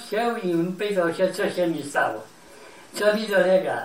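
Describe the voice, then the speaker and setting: Recorded with audible room echo, a man speaks very slowly at a high pitch with ordinary pitch variation. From Cieszyn Silesia, Poland/Czech border (Zaolzie). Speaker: elderly churchgoer telling his life story. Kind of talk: testimony. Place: home room. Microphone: handheld.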